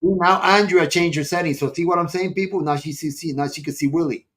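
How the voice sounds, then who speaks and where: A man with a slightly high voice hosts a casual live online show. He chats with his guest and viewers in an exclamatory way, often repeating himself. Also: steady tone, quick pace, crowd noise.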